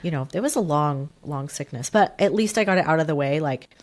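Low-voiced woman, nasal from a cold. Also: animated, fairly quick, darkish tone. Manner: chatty, emotional, lots of fillers. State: nasal and slightly raspy from a cold. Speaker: podcast co-host. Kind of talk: casual chat.

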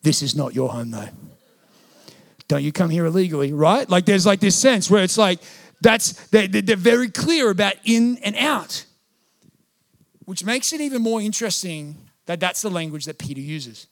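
A man preaches from the pulpit in a high, light voice. He keeps it lively, jumping into playful quoted voices before dropping into slow, earnest stretches. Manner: animated, acts out voices and quotes. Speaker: pastor. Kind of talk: sermon.

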